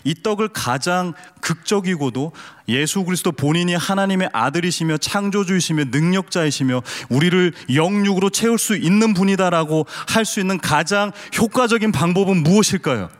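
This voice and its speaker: A man's voice: high-pitched, animated, normal speed, few pauses. A man pastor preaching a sermon with humor, questioning the congregation and asking them to raise their hands. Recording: long hall reverb.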